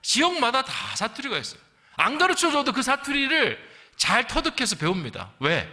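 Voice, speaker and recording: This pastor's voice is very high and swoops wildly in pitch, pushed and bright, moving at a moderate pace. A middle-aged man from South Korea's Gyeongsang region, he tells his sermon like a story, asking rhetorical questions and dramatizing quotes in his anecdotes. The large church hall adds long reverb.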